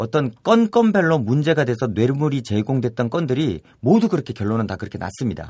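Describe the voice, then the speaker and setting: A somewhat breathy man at a medium pitch with a dark, mellow tone, in a very clean recording with a silent background. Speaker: media labor union policy director. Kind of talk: interview.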